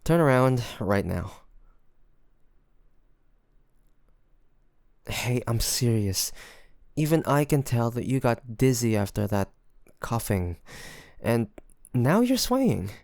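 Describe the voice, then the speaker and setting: Casting: male actor as devoted, worried boyfriend for one-sided audio drama; gentle, hesitant, slightly gravelly voice, close dry sound. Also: mid-range voice, big pitch swings, no room sound. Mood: worried, firm. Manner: gentle, hesitant, pleading, with sighs and pauses. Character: loving, worried boyfriend coaxing his sick partner to rest.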